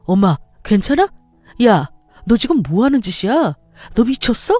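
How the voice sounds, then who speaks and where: A woman's voice: fairly high pitch, very animated, normal speed, darkish tone, dry recording, soft background music. A woman voicing a defensive young husband who talks in an exasperated, raised voice. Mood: indignant. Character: defensive young husband, whiny mama's boy.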